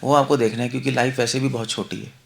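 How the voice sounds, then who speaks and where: A man's voice: medium pitch, steady tone, quick pace, vocal fry, a little hiss or hum. A male monk giving a conversational scripture class, mixing Hindi and English, asking the listeners rhetorical questions. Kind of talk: Hindi-English devotional lecture.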